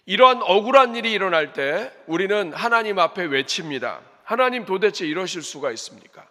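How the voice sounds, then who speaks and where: A man's voice: high voice, fairly bright tone. A man, a senior pastor, preaching a sermon in earnest, asking the congregation rhetorical questions. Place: church sanctuary. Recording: reverberant church hall.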